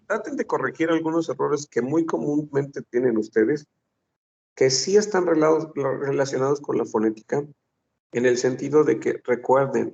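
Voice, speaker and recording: A man's voice: medium pitch, creaky, darkish tone, distant mic. A man teaching a French phonetics class, patiently repeating sounds and examples. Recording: dull lo-fi recording.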